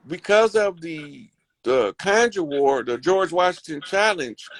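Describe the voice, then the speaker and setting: A man's voice: a little high, no room sound, rough recording. A man giving a confident, rambling talk in a casual conversational style. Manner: confident, emphatic, rambling with fillers. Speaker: host.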